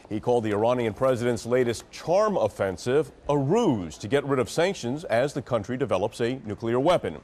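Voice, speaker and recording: A young adult news anchor reads the scripted evening stories from his studio desk, formal and measured, his voice medium in pitch and slightly mellow.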